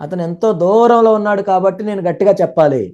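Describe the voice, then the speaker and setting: A man interprets a sermon live at a rapid clip. His tone is dark and mellow, and his pitch sits a little high for a man. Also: lo-fi sound. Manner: rapid, fluent, running sentences together.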